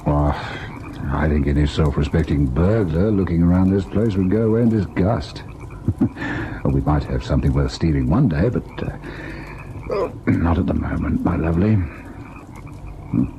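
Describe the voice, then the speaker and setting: An actor playing a devoted, sorrowful husband in an old-time radio ghost drama, measured and tender in his delivery. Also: sits low, animated, muffled recording, noisy background. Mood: tender, teasing. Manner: measured, melancholy narration, tender and indulgent in dialogue. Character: devoted husband recalling a haunted, sorrowful tale.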